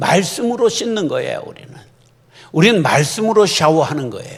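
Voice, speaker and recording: There is noticeable background noise. A man talks in an animated tone with lively intonation. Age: 70s. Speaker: retired pastor, guest preacher. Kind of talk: sermon to church officers, humorous. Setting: church service with congregation. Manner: animated, conversational.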